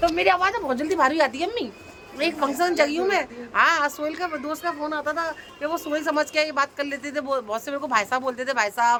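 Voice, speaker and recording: A woman with a high pitch uses a raised, projected voice with ordinary pitch variation, and noticeable background noise is present. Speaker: vlogger. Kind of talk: vlog.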